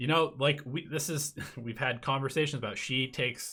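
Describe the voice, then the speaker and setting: With a bright, sharp tone, a man of fairly high pitch speaks in fairly even intonation. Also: very clean recording, silent background. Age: 20s. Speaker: dota coach. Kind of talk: coaching session.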